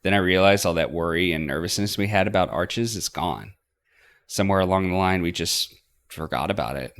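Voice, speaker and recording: A man reading a visual novel aloud as expressive first-person narration for a let's play. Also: low-pitched, brisk. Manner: acts out dialogue between narrated passages.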